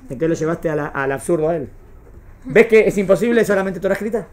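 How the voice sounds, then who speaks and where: A woman's voice: fairly low pitch, lively intonation, fast talker, darkish tone. Rioplatense woman teaching a class, keeps asking if everyone gets it. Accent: Rioplatense Spanish. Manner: questioning, checks understanding often. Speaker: religious studies teacher. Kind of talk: classroom lecture.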